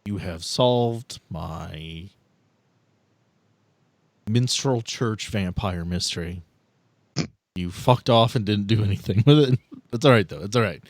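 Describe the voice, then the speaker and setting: A man's voice: on the low side, slow, long pauses, no echo. A man narrating a tabletop roleplaying game as game master, in an informal way with some swearing.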